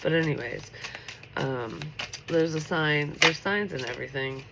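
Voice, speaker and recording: Stuffy-nosed woman doing a chill late night tarot reading, kinda fry-y, lots of likes and ums, noisy recording. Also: sits low, a little slow. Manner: chatty and upbeat, full of filler words. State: stuffy, congested nose. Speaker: tarot reader. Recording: steady background noise.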